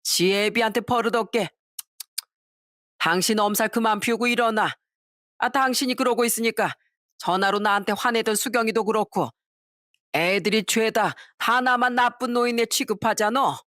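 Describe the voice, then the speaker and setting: A woman's voice: on the high side, normal speed, fairly bright tone, dry recording, studio quality, voice pushed up, natural voice. A woman voicing a stingy, bullying old father-in-law who scolds with contempt, in a story read aloud. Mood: contemptuous.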